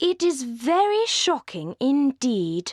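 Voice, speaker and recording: Using a put-on character voice, a woman speaks at a very slow pace and a high pitch with very wide pitch swings. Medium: read story. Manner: detached, formal.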